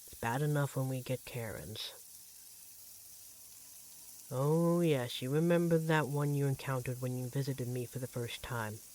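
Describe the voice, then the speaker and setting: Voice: mid-range voice, a little slow, pauses often, darkish tone, natural voice. A performer playing an affectionate, teasing vampire barista in a conversational audio roleplay about domestic life. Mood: weary venting. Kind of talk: ASMR audio roleplay, one-sided domestic dialogue. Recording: clear background noise, sizzling frying pan.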